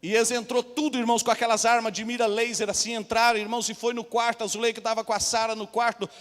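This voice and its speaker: A Brazilian pastor with a strikingly high-pitched voice preaches a storytelling sermon, often calling out to his congregation. His voice carries a long church hall reverb, with each phrase trailing off into the room. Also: level tone, quick pace, fairly bright tone. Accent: Brazilian Portuguese.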